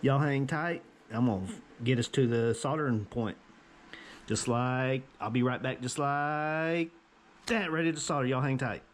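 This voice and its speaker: A man's voice: mid-range voice, unhurried, a little hiss or hum. A man, chatting to viewers in a folksy way while he works at his jewelry bench. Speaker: jewelry maker. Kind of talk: casual workshop narration.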